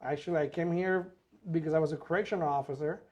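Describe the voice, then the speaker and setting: A man co-hosting a casual podcast as a real estate agent, relaxed and chatty with many fillers. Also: fairly high pitch, quick pace. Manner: relaxed, repeats himself, filler-heavy.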